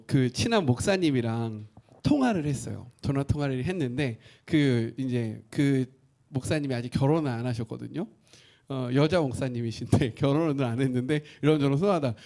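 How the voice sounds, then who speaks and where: A male pastor preaching a sermon, asking the congregation questions and acting out quotes in an animated way. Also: mid-range voice.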